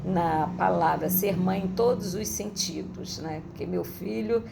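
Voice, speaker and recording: A woman's voice: fairly low pitch, measured pace, creaky, background noise. A middle-aged woman missionary, giving a rambling personal testimony full of tag questions.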